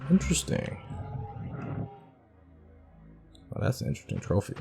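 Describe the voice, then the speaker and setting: A man's voice: slow pace, dark tone, faint music behind. A man hosting a casual game playthrough, thinking aloud about the story while he plays. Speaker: gaming channel host. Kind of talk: casual let's-play commentary.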